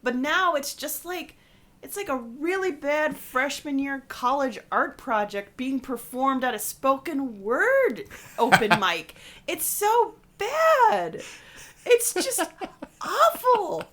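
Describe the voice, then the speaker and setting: A woman's voice: high voice, sing-song, slow, fairly bright tone. Stuffy-nosed woman, sarcastic podcast co-host. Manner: exasperated, sarcastic. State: stuffy from a cold. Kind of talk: casual chat.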